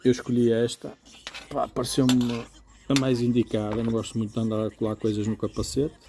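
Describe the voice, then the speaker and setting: A man's voice: medium pitch, monotone, fairly quick, over music. A man with a European Portuguese accent giving a casual, informal hands-on product review, explaining things step by step. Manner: informal, explanatory, often checking with "ok?". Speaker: motorcycle gear reviewer.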